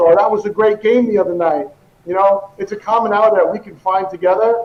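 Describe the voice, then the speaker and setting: Speaking with a New York accent, a man talks at a high pitch and a fairly quick pace with fairly even intonation. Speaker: former police officer. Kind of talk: interview.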